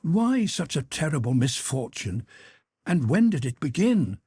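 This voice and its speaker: A man voicing a husky, desperate young nobleman. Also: a little high, sing-song, unhurried, a little mellow, dry recording, studio quality, voice pushed up, exaggerated voice. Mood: anguished. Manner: anxious pleading inner questioning. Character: young male nobleman gambler, desperate, proud.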